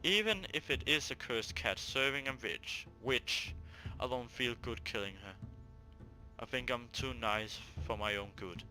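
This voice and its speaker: A man hosting a let's play, reading a visual novel aloud and breaking off into animated, jokey asides. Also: medium pitch, rough recording.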